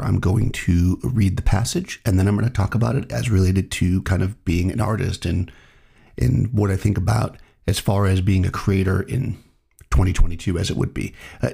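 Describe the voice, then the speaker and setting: A man hosting his own podcast, talking in a relaxed, reflective way while he has a cold. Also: low-pitched, gravelly, husky. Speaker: podcast host. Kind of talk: solo podcast monologue.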